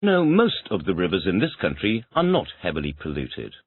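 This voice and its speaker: A man's voice: low-pitched, huge pitch swings, normal speed, slightly rough, no echo. A man taking an English lesson, answering each question by repeating it back in complete sentences. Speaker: English student. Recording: tinny phone-like dry audio.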